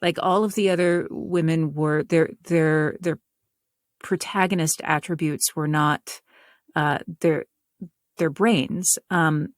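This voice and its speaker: Southern US woman, guest author; lowish, reflective, rambling, dry close sound. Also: steady tone, slow pace, no echo. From North Carolina, US South. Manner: reflective, talks in long winding sentences. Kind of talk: casual interview chat.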